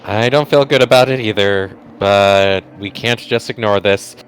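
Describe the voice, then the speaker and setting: In an amateur voiced playthrough of a visual novel game, a man voices an earnest, mild, worried teenage boy. His voice sits on the low side and is unhurried and close to everyday speech, coming across as earnest and uneasy. The recording is rough, with faint background noise.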